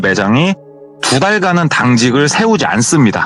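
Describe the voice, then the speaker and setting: A man speaks at a moderate pace with a fairly high pitch. His pitch swings very widely, with music in the background. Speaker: storyteller guest, car salesman. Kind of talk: storytelling in casual chat. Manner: polite, formal.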